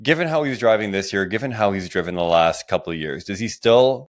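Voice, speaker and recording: A man's voice: lowish voice, expressive, fairly quick. A man hosting a conversational sports discussion, speaking reflectively and building up long questions. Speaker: podcast host posing questions.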